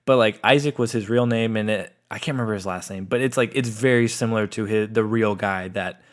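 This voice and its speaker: A man's voice: on the low side, fairly quick. A man co-hosting a podcast in casual chat, talkative and full of filler words. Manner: chatty, heavy filler words. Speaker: podcast co-host.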